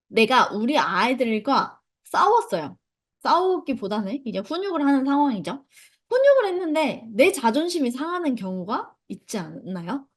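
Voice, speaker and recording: Lively, high-voiced woman teaching parents. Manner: reads participants' chat comments aloud. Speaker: parenting instructor. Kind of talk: online parent education lecture.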